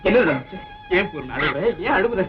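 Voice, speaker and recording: An actor playing an anxious, loving husband in a 1960s film melodrama, soothing and pleading. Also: male voice, sits high, very animated, a little fast. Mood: comforting. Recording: dull old film soundtrack with music.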